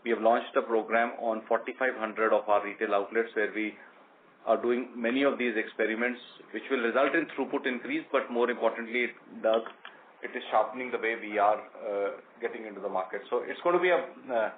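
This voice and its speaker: A man with an Indian accent answering questions as a company executive on an earnings conference call, explaining in a measured, halting way. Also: fairly low pitch. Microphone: conference call line. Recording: tinny conference phone line with noise.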